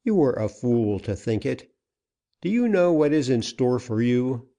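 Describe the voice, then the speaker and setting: A man's voice: mid-range voice, big pitch swings, measured pace, warm tone. A man voicing a stern male frontier hero who grimly mocks his captive.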